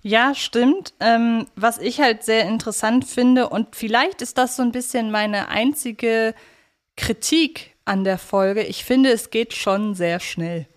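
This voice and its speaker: A woman's voice: on the high side, slow pace. A woman co-hosting a podcast, chatting casually as she reviews an audio drama. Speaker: podcast co-host.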